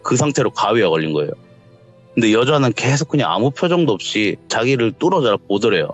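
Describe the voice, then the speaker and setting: A man's voice: medium pitch, fairly quick. A man casually telling a true ghost story, acting out the voices in the dialogue he recounts. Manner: animated, acts out the voices in quoted dialogue. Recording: dull lo-fi audio with faint background music.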